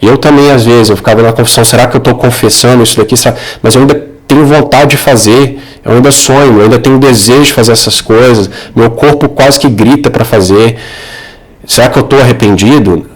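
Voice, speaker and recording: A man's voice: medium pitch, a little fast. A man giving earnest, direct spiritual advice to the listener, his voice recorded through an overloaded, clipping microphone. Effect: clipping, distorted overloaded mic. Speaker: Catholic advice speaker. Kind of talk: informal spiritual advice talk.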